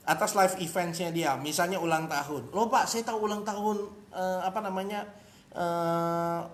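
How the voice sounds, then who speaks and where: A man's voice: sits high, a bit bright, reverberant. A man giving a casual sales coaching talk, who acts out customer calls and keeps checking that listeners follow.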